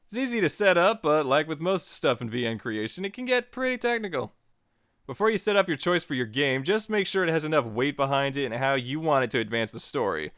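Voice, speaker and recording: Animated man hosting a tutorial, higher-pitched voice. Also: fairly quick, clean tone, no echo, clean studio sound. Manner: playful, joking asides. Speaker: tutorial host. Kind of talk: scripted casual tutorial narration.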